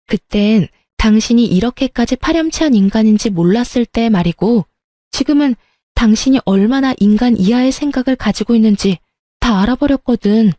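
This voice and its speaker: A woman voicing a sharp-tongued young woman who breaks off her engagement, speaking bluntly and cuttingly. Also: fairly high pitch, moderate pace, no echo, clean studio sound, close to an everyday voice. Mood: scornful.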